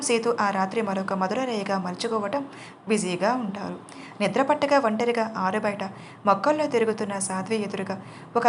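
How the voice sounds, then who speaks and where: Woman storyteller, even narration, middle pitch, faint hiss.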